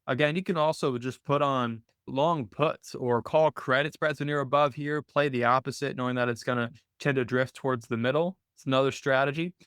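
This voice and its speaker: A man with a clean, smooth, middle-pitched voice hosts a casual trading Q&A call over screen share. He speaks briskly with fairly even intonation and few pauses, conversational and explanatory, thinking aloud as he goes. The recording is dry, with no room sound.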